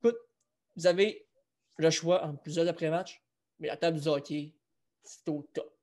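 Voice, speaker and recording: Chatty Quebec French host. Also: male voice, a little high, fairly even intonation, moderate pace, a little mellow. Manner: chatty, runs a trivia quiz. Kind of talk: casual sports chat.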